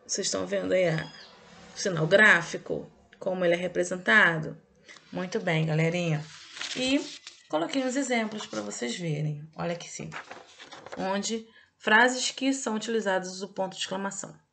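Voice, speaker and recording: A woman gives a recorded lesson to young children in a gravelly, slightly creaky voice. She leans on each key word and drops frequent "okay?" checks to the class. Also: medium pitch, sharp tone, slight background noise. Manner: didactic, drawn-out emphasis, checks in with "ok?" and "tá?". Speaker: teacher. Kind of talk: online review lesson for children.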